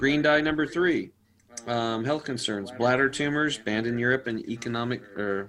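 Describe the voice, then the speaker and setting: With an American accent, a man speaks at a moderate pace and medium pitch, showing ordinary pitch variation in a plain, everyday voice. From Eastern Oregon, US. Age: 40s. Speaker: health coach. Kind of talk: reading aloud a list; casual chat.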